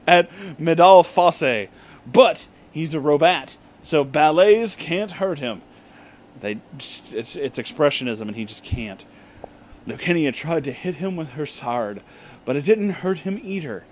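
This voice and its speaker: A man giving a comic dramatic reading, deliberately enunciating garbled words and dropping in casual asides. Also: on the high side, expressive, a little hiss or hum. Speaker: reader and commentator of bad fan fiction.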